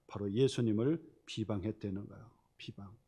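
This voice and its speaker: A man's voice: on the low side, normal speed, dark tone, breathy edge. A male pastor preaching a Sunday sermon. He keeps repeating phrases for emphasis and asks the congregation rhetorical questions.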